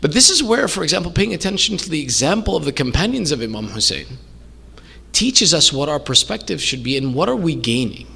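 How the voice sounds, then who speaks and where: Emphatic male preacher with a bright, creaky voice. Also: a little high, sing-song, fairly quick. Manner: earnest rhetorical questioning, emphatic repetition. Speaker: preacher, sheikh. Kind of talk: English majlis sermon.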